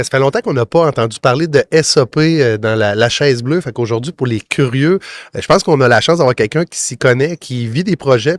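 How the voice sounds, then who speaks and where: Homme québécois enrhumé, son sec. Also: male voice, medium pitch, no room sound, studio quality. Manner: chatty, joking, quick follow-up questions. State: stuffy head cold. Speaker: podcast host. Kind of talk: casual interview.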